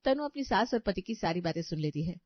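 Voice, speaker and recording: A woman's voice: lowish voice, expressive, quick pace, no echo. Woman narrating a cartoon story. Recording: dry, slightly dull audio.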